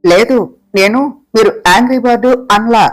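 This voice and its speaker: A woman's voice: a little high, normal speed, lightly acted. The narrator gives voice to a pert young woman assistant who talks back to her boss. The reading is a plain storybook telling with faint music behind. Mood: cheeky. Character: cheeky young woman, new office assistant.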